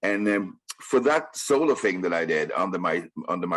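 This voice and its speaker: A man speaks with a Swedish accent. His pace is moderate. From Sweden. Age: 50s. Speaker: rock singer. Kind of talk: interview conversation. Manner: halting.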